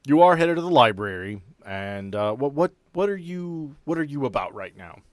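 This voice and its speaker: Man, game master, conversational improvised narration, stop-and-start phrasing, mid-low pitch, very dry recording. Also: big pitch swings, normal speed, no room sound. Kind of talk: casual tabletop game narration.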